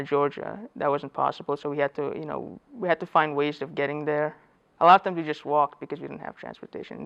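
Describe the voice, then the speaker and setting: A man's voice: a little high, creaky, clean tone. A man from Afghanistan, a native Dari speaker, talking in an interview about growing up, hesitant with frequent restarts and self-corrections. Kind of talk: reflective personal storytelling. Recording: dull lo-fi audio.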